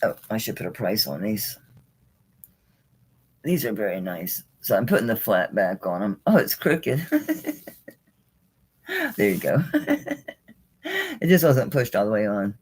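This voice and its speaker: Her voice is extremely low and a little mellow, animated and at normal speed, on a rough recording with slight background noise. This online jewelry seller hosts a live auction casually, chatting, laughing a lot, and muttering to herself as she handles pieces.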